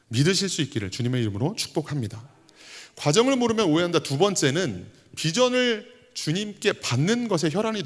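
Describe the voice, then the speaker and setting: A man in his thirties, an associate pastor, preaching a conversational sermon with prayers voiced aloud. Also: high-pitched. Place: church sanctuary. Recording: long church reverb.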